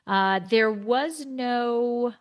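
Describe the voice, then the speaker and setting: A woman with a New Jersey accent hosting a casual podcast chat, reading reviews aloud in a halting way and laughing often. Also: fairly high pitch. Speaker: podcast host.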